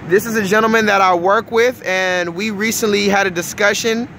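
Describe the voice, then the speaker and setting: A man's voice: high voice, steady tone, moderate pace, pushed and bright, a little hiss or hum. A man hosting a casual interview who talks in a friendly way and repeats his guest's answers back to him. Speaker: host.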